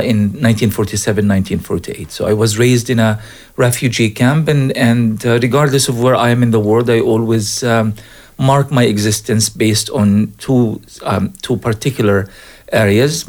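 A middle-aged man who grew up in Gaza answers questions as a radio guest. His voice is low and earnest, and he often breaks off to restart his phrases. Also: a little mellow. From Gaza, Palestine. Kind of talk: interview answers.

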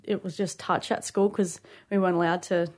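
A woman's voice: fairly low pitch, flat delivery, fairly quick, darkish tone. A woman in her late twenties with an Aboriginal Australian English accent, talking casually and informally as an interview guest, often dropping in "like" and "you know". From Queensland, Australia. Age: late 20s. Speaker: studio guest, rugby league player.

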